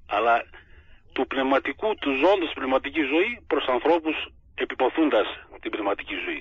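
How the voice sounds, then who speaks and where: Pausing long and often, a man speaks at a moderate pace with a fairly high pitch and lively intonation. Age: 60s. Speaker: Orthodox monk and spiritual father. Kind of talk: radio interview.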